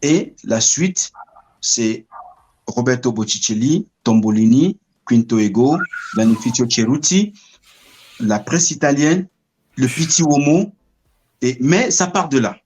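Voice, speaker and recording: A middle-aged man from Cameroon, telling his story as an interview guest in a measured, reflective way, often pausing to search for words. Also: medium pitch, expressive, a little mellow, husky.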